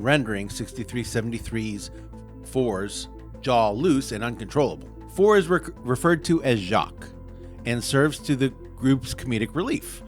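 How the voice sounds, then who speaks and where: Male podcast host, mid pitch, casual read-aloud with stumbles and laughs, faint music behind. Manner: reads haltingly, stumbles over words, laughs often.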